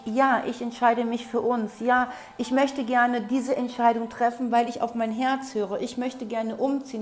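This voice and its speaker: A woman reads tarot cards for her viewers from a table set with candles, her slightly high voice still hoarse from a recent cold. She talks in a coaxing, repetitive way and addresses the listener directly. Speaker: tarot reader. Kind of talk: interactive tarot reading to camera.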